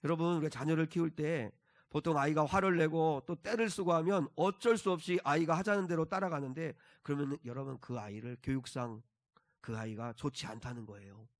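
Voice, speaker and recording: Man, middle-aged, pastor, sermon, emphatic peaks, slow repeated phrases, slightly high voice.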